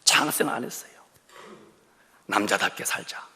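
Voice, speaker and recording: A man's voice: moderate pace, sharp tone. A male pastor preaching a sermon in a church, telling an emotional story and breaking it up with rhetorical questions. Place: church sanctuary.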